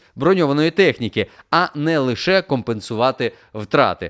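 On a very clean recording with a silent background, a man speaks at a fairly high pitch with very wide pitch swings. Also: dry, close sound with no echo. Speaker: YouTube news commentator. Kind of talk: news commentary to camera.

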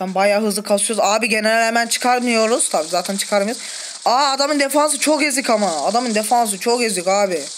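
Fairly quick and animated, a man talks at a high pitch with ordinary pitch variation and very even loudness. Noticeable background noise runs underneath. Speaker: gaming video creator. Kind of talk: gameplay commentary.

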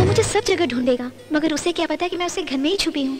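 The recording is dry, with no echo. A woman talks as clear music plays in the background. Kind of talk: film dialogue.

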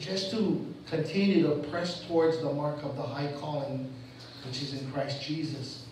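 Strong room echo and light background noise surround a man speaking with fairly even intonation. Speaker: pastor. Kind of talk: sermon. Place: church. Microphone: camera far.

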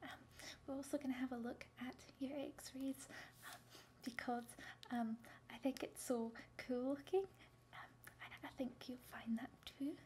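A soft-spoken woman's high-pitched voice with a dark, mellow tone, fairly even intonation, a moderate pace, long and frequent pauses, and light background noise. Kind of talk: soft-spoken role-play exam talk. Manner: soft-spoken ASMR voice, hesitant. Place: home room. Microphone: webcam.

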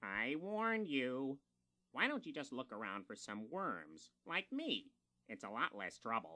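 A man puts on a cartoonish character voice and speaks at a fairly slow pace. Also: medium pitch for a man. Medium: puppet.

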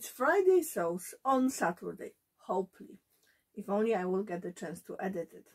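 A woman's somewhat breathy voice carries lively intonation and big swings in loudness. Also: medium pitch for a woman, moderate pace. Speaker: sewing vlogger. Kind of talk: casual talk to camera.

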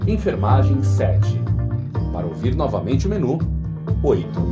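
Loud music plays in the background. The speaker keeps a moderate pace. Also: man. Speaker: professional voice-over artist, voice actor and voice coach. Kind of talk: humanized IVR phone-menu recording. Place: booth. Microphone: studio mic.

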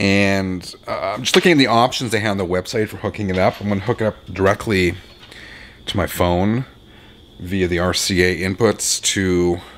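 Very deep and low, a man's voice moves at a moderate pace with fairly even intonation. Light background noise is present. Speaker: hobby vlogger. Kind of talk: casual vlog chat. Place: garage. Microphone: phone near.

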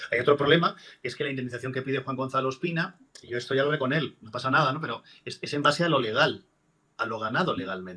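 Against a quiet background, a man talks very fast with a bright, sharp tone, ordinary pitch variation and big swings in loudness. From Canary Islands. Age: 50s. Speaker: investigator guest; guest. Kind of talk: interview discussion. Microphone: video call.

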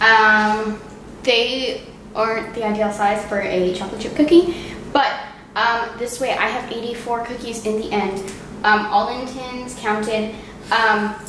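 Fairly slow, fairly even speech amid audible room echo and noticeable background noise. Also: woman. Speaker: home baking vlogger. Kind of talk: casual vlog chat. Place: kitchen. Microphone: camera far.

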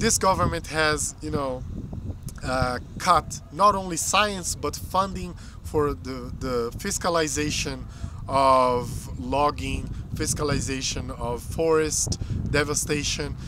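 A man speaking at a very slow pace, dry sound with no echo, noticeable background noise. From Brazil. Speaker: philosophy video creator. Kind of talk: unscripted monologue. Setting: outdoors in nature. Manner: thinking aloud, hesitant. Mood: indignant, critical. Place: open country. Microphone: earbuds.

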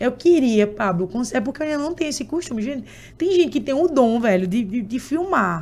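Moderate pacing from a woman with a high voice and very wide swings in pitch. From Patos, Paraíba sertão, Brazil; Paraíba, Brazil. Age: young. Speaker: sertanejo singer; guest. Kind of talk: casual interview chat. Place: studio. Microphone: studio mic.

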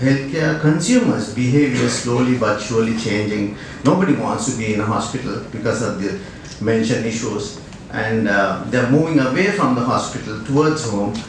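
A man talks at a moderate pace with ordinary pitch variation. There is audible room echo and light background noise. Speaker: conference presenter. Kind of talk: lecture. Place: hall. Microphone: camera far.

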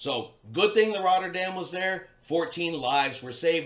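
A man talks with ordinary pitch movement, and room echo is audible. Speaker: cruise news host. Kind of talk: casual news commentary. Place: home room.

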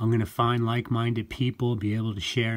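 A man speaks with an American accent. His pitch sits in the medium range. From United States. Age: 50s. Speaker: online commentator. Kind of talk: monologue to camera. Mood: aggrieved, defensive. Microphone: phone near.

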